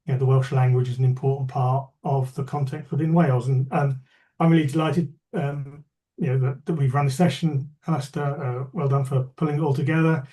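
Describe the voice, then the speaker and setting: A man with a dark, mellow voice gives polite closing thanks over a video call. He repeats words and fills pauses with uh and um. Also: mid-range voice, steady tone, low-quality recording. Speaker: chief executive. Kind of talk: closing remarks in a meeting.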